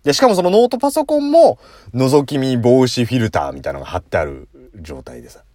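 A man's voice: medium pitch, big pitch swings, fast talker, darkish tone. A man casually telling a funny story on his solo talk show, laughing at his own jokes. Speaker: podcast host. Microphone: phone app recording.

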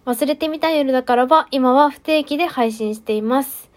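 A woman's voice: sits high, normal speed. A young woman hosting a solo talk show, chatting casually and self-deprecatingly with lots of fillers. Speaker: podcast host.

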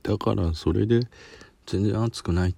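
Kansai-accented man, deep and husky, chatty solo food-review podcaster, sniffly from spice. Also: normal speed, dark tone, no room sound. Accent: Kansai Japanese. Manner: chatty, self-deprecating, sniffling while eating spicy food. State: sweating and runny nose from spicy food.

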